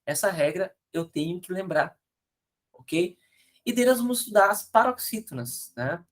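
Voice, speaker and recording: A man's voice: sits high, animated. Brazilian male teacher explaining grammar rules. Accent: Brazilian Portuguese. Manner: explanatory, sprinkles tag questions like tá and né; spells out letters slowly, corrects slide errors aloud. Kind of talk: recorded online grammar lesson.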